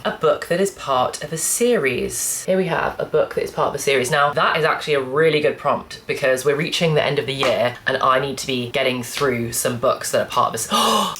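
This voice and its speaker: A young woman, croaky from a cold, chatting casually about books to camera with lots of restarts. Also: very deep voice, a bit bright, a little hiss or hum. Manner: chatty, rambling, full of "like" and restarts. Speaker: book vlogger.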